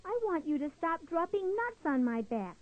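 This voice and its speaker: A woman's voice: very high-pitched, sing-song, normal speed, pitched above the performer's own voice. A woman voicing a timid, worried young male turtle who stammers and frets tearfully. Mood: firm. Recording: dull lo-fi recording.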